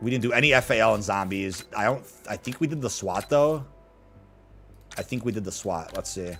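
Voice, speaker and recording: Fairly quick speech with ordinary pitch variation and long, frequent pauses over background music. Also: man, medium pitch for a man. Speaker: gaming streamer. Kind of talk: live stream commentary. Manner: fast.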